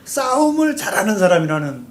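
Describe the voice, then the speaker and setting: A man who is a campaign spokesman, a guest on a live web talk show, telling long stories about history with lively enthusiasm. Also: high-pitched, a little fast. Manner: animated storytelling, talks through history at length. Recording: faint background noise, live stream.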